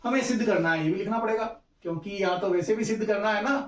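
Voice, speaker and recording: A man's voice: sits high, fast talker. A man teaching a maths lesson, explaining each step and often checking that students follow. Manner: explains step by step, asks "समझ में आई बात?". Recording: echoey room, voice from a distance.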